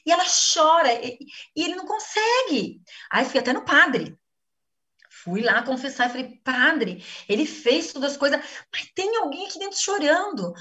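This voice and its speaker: A woman's voice: sits high, a bit bright, recorded from a distance. A Brazilian woman giving an earnest personal testimony in a live class, acting out the things she once said. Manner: earnest, acts out her own quoted speech.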